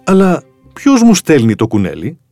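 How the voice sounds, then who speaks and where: A man voicing a curious, easily pleased king in a storybook reading, measured and regal. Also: on the high side, huge pitch swings, a little mellow, no echo, studio quality, faint music behind, voice pushed up.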